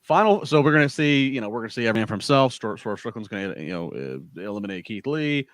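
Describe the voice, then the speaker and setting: A man's voice: mid-range voice, animated, fast, dry recording, clean studio sound. A man hosting a casual wrestling podcast, rambling through a show recap with many fillers and restarts. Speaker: podcast host.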